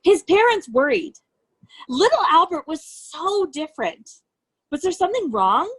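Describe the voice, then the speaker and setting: A woman with a high voice reads a picture book to young children. Her delivery is very animated, rising and falling widely in pitch. She phrases each sentence deliberately and leans on the key words like an educator telling a story. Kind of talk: children's storybook read-aloud.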